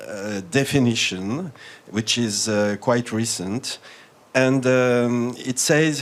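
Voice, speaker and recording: French-accented man giving a formal talk. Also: medium pitch. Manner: measured, formal, with frequent hesitations. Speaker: panel speaker. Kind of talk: conference talk.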